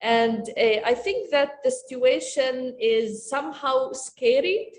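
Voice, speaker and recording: A woman, answering as a panelist in an earnest, measured way with frequent pauses and fillers. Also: high-pitched, lively intonation, slight background noise. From Jordan. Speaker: panelist, media organization director. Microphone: video call. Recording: echoey room over a video call.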